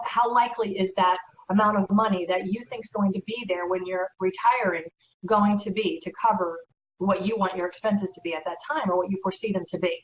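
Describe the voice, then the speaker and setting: A woman, a real estate broker, giving earnest, conversational advice in an educational talk. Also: medium pitch. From United States. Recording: echoey room, from far off.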